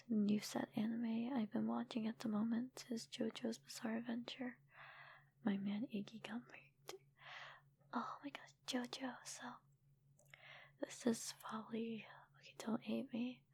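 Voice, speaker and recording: A woman chatting casually in a soft, breathy ASMR whisper, informal and rambling, close to the microphone. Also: a little high, level tone, unhurried, long pauses. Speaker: ASMR creator and streamer answering viewer comments.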